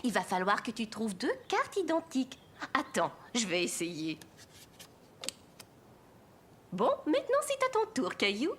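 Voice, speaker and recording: An actress playing a friendly, doting old lady in a children's cartoon, sweet, coaxing and expressive. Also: fairly high pitch, normal speed, slight background noise. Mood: patient. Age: older.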